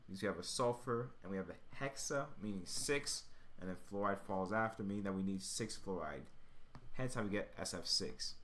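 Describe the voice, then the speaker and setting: A man's voice: deep voice, moderate pace, a bit bright, a little hiss or hum. A man giving an informal, step-by-step tutoring explanation, thinking aloud as he works. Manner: thinking aloud while working. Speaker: chemistry tutor.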